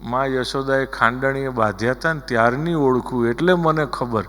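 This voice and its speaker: A man's voice: medium pitch, normal speed, fairly bright tone, natural voice. A man voicing an elderly queen, an aunt who pleads tenderly and sorrowfully, within a sermon given in a hall. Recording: hall reverb with music behind.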